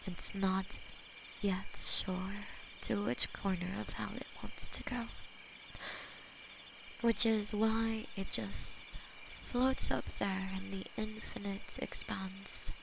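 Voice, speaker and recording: Slow, gravelly-whispered demon girlfriend, as a woman voices her, possessive and tender, crickets chirping behind. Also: medium pitch. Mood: dreamy. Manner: soft intimate whispering, halting. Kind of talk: ASMR audio roleplay. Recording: steady cricket and night noise behind.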